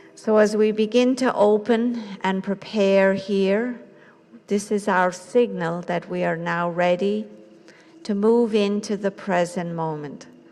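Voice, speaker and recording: A woman with an Irish accent speaks at a fairly slow pace and medium pitch, with ordinary pitch variation. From Ireland. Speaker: minister. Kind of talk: guided meditation. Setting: church sanctuary with audience and livestream. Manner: soft-spoken.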